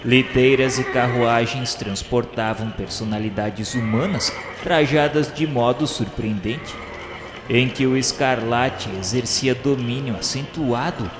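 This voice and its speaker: A male narrator with a Brazilian accent tells a radio drama in solemn, literary phrasing. His mid-range voice rings with long reverb over clearly audible music. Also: mid-range voice. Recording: reverberant hall effect, music behind.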